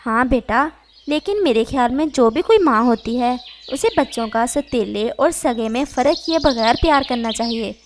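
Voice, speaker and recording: A gentle, motherly neighbor bird in a cartoon story, as a woman puts her on. She reassures and coaxes in a high voice. Faint noise sits behind her. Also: animated, moderate pace. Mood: kind.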